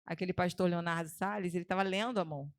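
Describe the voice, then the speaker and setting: A woman's voice: fairly low pitch, steady tone, fast talker. A woman with a Brazilian Portuguese accent telling a story in church, hesitant and conversational. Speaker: church member sharing a story. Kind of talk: casual testimony.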